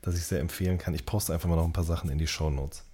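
A man's voice: low-pitched, steady tone, racing, dark tone, slight background noise. A man co-hosts a casual podcast. He talks in a hesitant way, often searching for the next word. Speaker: podcast co-host.

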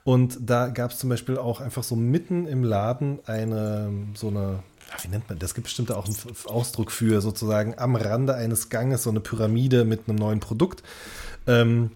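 A man's voice: mid-range voice, fairly even intonation, moderate pace, warm tone. A man chatting casually as a podcast co-host, thinking aloud and drifting into digressions.

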